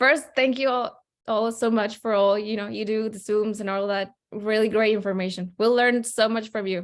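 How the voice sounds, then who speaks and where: A woman's fairly high voice at a moderate pace, fairly even in intonation, with hardly any pauses. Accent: non-native. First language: not English. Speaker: new real estate investor. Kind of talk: Q&A question. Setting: video call.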